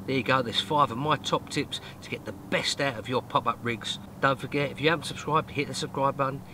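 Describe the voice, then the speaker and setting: A man's voice: medium pitch, steady tone, fairly quick. A man in his forties presenting an instructional vlog to camera in an emphatic, informal, explanatory way. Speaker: host of a fishing tips video channel. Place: inside a small fishing tent outdoors. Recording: faint outdoor background noise.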